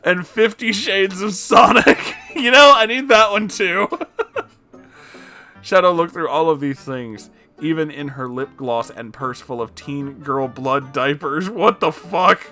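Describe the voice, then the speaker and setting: A man's voice: fairly high pitch, takes it slowly, sharp tone, faint music behind. A man hosting a comedic reading of fan fiction, breaking off into incredulous, amused asides. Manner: breaks into laughter, exclaims in disbelief.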